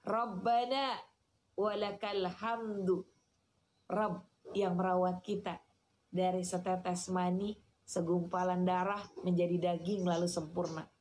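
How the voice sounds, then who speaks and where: A woman, giving a lively, chatty sermon and answering questions from the audience. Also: on the low side, slow, slight background noise. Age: 40s. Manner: chatty, teasing, addresses listeners as "Kak". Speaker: Islamic preacher.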